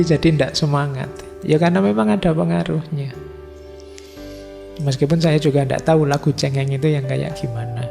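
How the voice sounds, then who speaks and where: A man's voice: fairly high pitch, gravelly, dark tone. A middle-aged man giving an informal lecture in a large mosque hall, talking conversationally and teasing his listeners with everyday examples. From Indonesia. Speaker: philosophy lecturer. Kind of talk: informal religious study lecture. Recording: long hall reverb with faint music.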